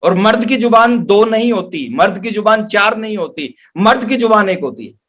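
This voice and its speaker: A man's voice: high-pitched, expressive, moderate pace, a bit bright. A man gives a motivational sales training talk, speaking emphatically and repeating phrases for effect. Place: online webinar.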